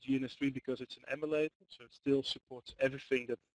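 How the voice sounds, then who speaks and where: A man's bright, sharp voice at medium pitch with a Dutch accent, in a dry, close sound with no echo. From Netherlands. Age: 30s. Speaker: network engineering trainer. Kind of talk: webinar Q&A. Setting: webinar call. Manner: halting.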